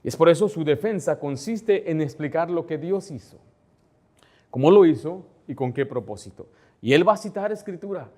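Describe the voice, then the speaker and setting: Speaking at a normal speed in a slightly high, animated voice, this pastor keeps his sermon conversational. He points the congregation to the text and gets louder to underline a point.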